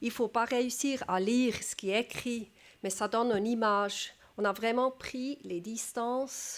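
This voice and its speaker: A woman with a Swiss German accent, fairly high in pitch, at a very slow pace, in a very clean recording with a silent background. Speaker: federal police director. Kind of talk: public talk. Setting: press club with audience.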